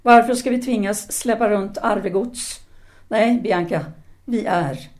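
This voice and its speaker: A woman's voice: mid-range voice, darkish tone, lightly acted. An actress playing a self-assured, independent-minded French woman teacher in a 1930s audio drama, speaking formally and didactically. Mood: assured, explaining. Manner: formal, articulate, didactic, with hesitant pauses.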